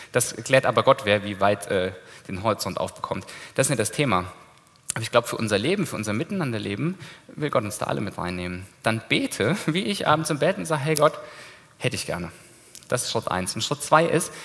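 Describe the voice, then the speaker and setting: A man preaching a sermon in a lively, informal way, dropping casual slang as he talks to his church. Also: medium pitch. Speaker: pastor. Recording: long hall reverb.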